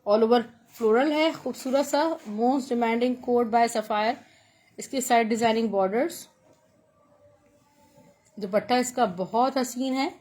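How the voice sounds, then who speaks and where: A woman with a Pakistani accent giving a live sales pitch for clothes in chatty teleshopping patter, repeating her praise and prices. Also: slow pace, long pauses, darkish tone, rough recording. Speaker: live online clothing seller.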